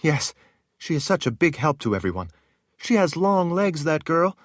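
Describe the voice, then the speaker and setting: A bubbly, gushing palace woman, put on by a male narrator rides high above his usual pitch and spills over with eager chatter. The audiobook sound is dry and close. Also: big pitch swings, normal speed, no echo.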